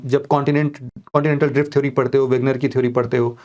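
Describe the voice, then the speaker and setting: A man's voice: medium pitch, little pitch movement, rapid-fire, darkish tone, muffled recording. A man teaching exam aspirants, explaining a course plan in a conversational way and mixing in English words. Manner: conversational, mixing English words into Hindi, addressing students directly. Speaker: online exam coaching teacher. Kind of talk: explaining a course schedule to students.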